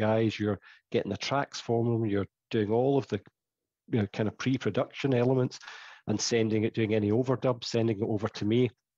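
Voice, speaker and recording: A man's medium-pitched voice with a Scottish accent, dark and mellow in tone with monotone, flat intonation, at a fairly quick pace in a dry, close sound with no echo and a quiet background. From Scotland. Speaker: rock bassist and songwriter. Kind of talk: casual interview chat.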